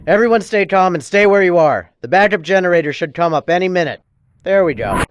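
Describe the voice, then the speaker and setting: An actor playing a world-weary, protective middle-aged police commissioner with a dry, terse manner in an audio drama. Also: male voice, high voice, lively intonation, a little fast, lo-fi sound, slight background noise. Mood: alarmed, defiant.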